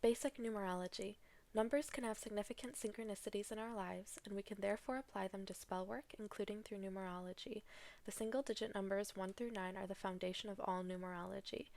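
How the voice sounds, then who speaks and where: A woman's voice: mid-range voice, quick pace, creaky. A woman giving a casual, chatty tarot reading with a stuffy nose, sounding slightly out of breath. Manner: chatty and relaxed, reads book passages aloud. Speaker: tarot reader.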